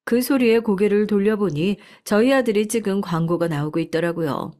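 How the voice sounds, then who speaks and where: A woman reading a scripted first-person life story for an audio channel. She keeps a calm, reflective tone at a middle pitch, unhurried and even. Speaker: story narrator.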